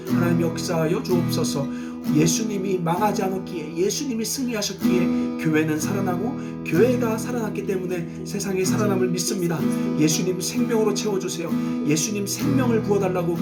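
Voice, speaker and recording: A male pastor preaching to a small house church, firing questions at the congregation and answering them himself, then leading an earnest spoken prayer. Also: sits high. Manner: earnest, confessional prayer with repeated invocations.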